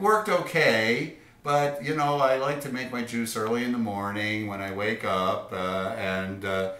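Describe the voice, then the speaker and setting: Over noticeable background noise and audible room echo, a man at medium pitch speaks fairly slowly with lively intonation. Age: 60s. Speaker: juicing enthusiast. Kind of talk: casual interview. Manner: hesitant, many filler words.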